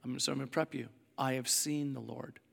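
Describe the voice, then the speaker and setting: A middle-aged man from Canada, a pastor with a hoarse voice, preaching a sermon in a casual, rambling way with many fillers and restarts. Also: mid-range voice, fairly even intonation, fairly quick. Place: church hall. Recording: long hall reverb.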